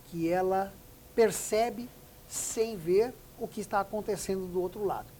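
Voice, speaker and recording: A woman with a mellow, warm voice explains business etiquette as an interview guest. She talks emphatically and slips into little acted-out phone greetings. A faint hiss sits behind her. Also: lowish voice, rough recording. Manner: emphatic, acts out phone examples.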